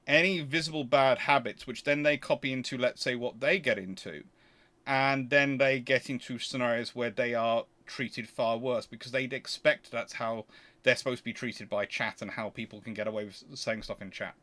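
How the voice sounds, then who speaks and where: A British man with a medium-pitched voice hosts a casual livestream, answering audience questions. He talks in a halting, rambling way, circling back to reword what he has just said. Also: steady tone, bright, forceful tone. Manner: rambling, halting, repeats and rephrases himself.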